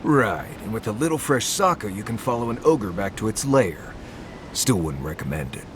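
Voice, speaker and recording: A man's voice: on the low side, big pitch swings, normal speed, background noise. A man playing a wry, skeptical, easygoing adventuring companion with a dry, folksy manner in a fantasy video game.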